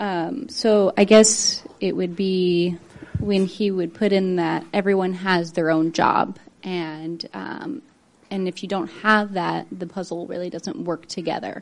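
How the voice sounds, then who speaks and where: A woman speaks with ordinary pitch variation in an ordinary speaking voice. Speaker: churchgoer, wife. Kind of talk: casual discussion. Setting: church with audience.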